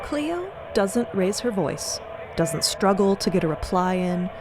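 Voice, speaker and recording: A woman narrating a scripted story as co-narrator in a measured, deliberate way. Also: mid-range voice, very animated, background noise.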